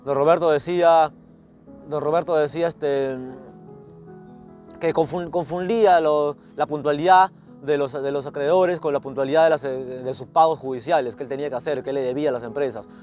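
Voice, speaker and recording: A man's voice: fairly high pitch, fairly even intonation, moderate pace, darkish tone, soft background music. A man casually retelling a short story, hesitant, with frequent restarts, fillers and tag questions. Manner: hesitant, many restarts and filler "este", rhetorical "¿no?". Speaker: literature channel host retelling a short story.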